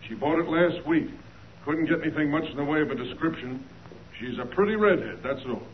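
A businesslike cop phoning in on a 1940s radio show. His fairly high voice is clipped and colloquial through a telephone filter. The line is dull and noisy. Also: brisk. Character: businesslike male police sergeant phoning in report. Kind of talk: 1940s radio drama acting.

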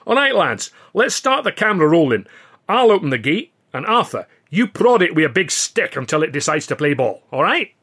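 A man's voice: on the high side, sing-song, moderate pace, fairly bright tone, slightly rough, pitched above the performer's own voice, exaggerated voice. A man voicing a cocky, bossy little Scottish film comedian in an audiobook. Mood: commanding. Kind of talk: audiobook character voice.

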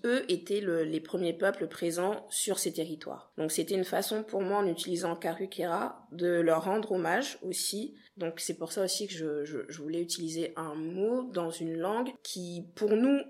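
Earnest young woman from Guadeloupe. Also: on the low side. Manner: earnest, thoughtful, hesitant restarts. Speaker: podcast creator, interview guest. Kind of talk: reflective interview answers.

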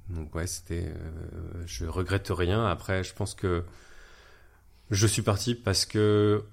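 Low-voiced man, relaxed and hesitant. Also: takes it slowly, gravelly. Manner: relaxed, hesitant with many fillers. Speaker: guest, wedding videographer. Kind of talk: casual interview chat.

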